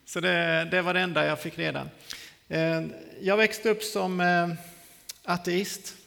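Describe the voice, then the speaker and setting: Preacher, 40s, man; high gravelly voice with long church reverb, vivid storyteller. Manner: lively storytelling, acting out scenes. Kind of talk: sermon testimony. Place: church hall.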